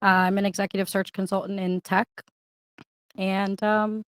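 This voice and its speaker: A woman's voice: mid-range voice, little pitch movement, normal speed, no echo. A woman in her twenties from Orlando, answering a podcast panel's questions in a matter-of-fact, easygoing way. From from Orlando, Florida. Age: 20s. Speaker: panel guest.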